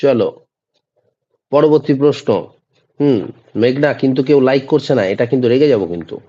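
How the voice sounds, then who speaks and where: A male teacher from West Bengal running a live online exam-prep class, reading quiz questions slowly and teasing students by name. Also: mid-range voice, dark tone, muffled recording. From West Bengal, India. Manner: reads English quiz questions slowly, then quizzes quickly in Bengali.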